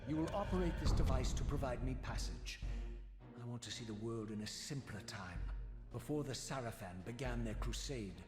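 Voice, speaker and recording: An actor playing a proud, scornful undead spirit of vengeance in a video game, speaking with sardonic, theatrical precision. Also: male voice, mid-range voice, animated, normal speed, close to an everyday voice. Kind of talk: dramatic video game voice acting. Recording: echoey long reverb, game music behind.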